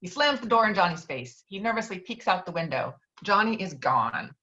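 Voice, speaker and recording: A woman's voice: medium pitch, big pitch swings, moderate pace, pushed and bright. A woman reading out screenplay stage directions as the narrator of an online table read. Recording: dull, lo-fi online call audio.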